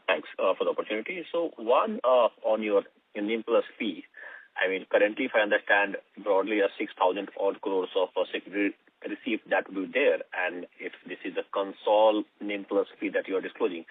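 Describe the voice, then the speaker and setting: A male analyst with an Indian accent puts detailed questions on a conference call. His voice is husky and a little low, and he phrases things in a wordy, halting way. The line is thin and telephone-like. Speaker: financial analyst asking questions. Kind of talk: unscripted earnings call question. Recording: tinny, muffled telephone line.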